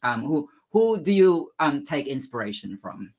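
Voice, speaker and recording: A woman's voice: low voice, sing-song, unhurried, a little mellow, breathy edge. A woman from the Philippines with a Filipino accent, hosting an interview and asking questions with frequent stumbles and repeated words. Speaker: interview host.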